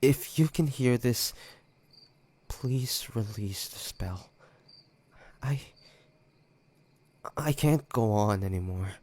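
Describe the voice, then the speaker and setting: A man playing a weary, protective demon hunter in a dramatic audio roleplay, with halting, emotional delivery. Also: medium pitch, expressive, darkish tone. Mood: anguished, pleading. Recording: roomy with long reverb.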